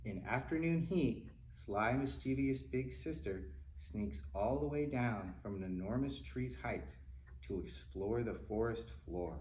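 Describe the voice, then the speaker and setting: A man reads picture books to young children at library storytime in an unhurried, slightly mellow, mid-range voice with lively intonation. Playful, chatty asides and acted-out animal sounds and exclamations fill the reading, recorded in an echoing room with faint background noise.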